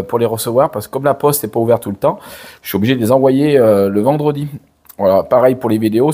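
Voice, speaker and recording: Older man, hoarse with a cold. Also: fairly low pitch, mellow. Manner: slow, hesitant, with many fillers and restarts. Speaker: father and channel host. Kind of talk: casual direct-to-camera chat.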